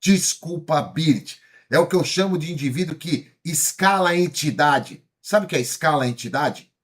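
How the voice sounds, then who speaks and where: Paulistano guy in his 50s lecturing a crowd, kinda husky, high-ish voice, keeps asking "tá certo?". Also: moderate pace. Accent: Paulistano Brazilian Portuguese. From São Paulo, Brazil. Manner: energetic, asks the audience questions, frequent tag questions. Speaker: speaker. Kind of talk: motivational lecture to a live audience.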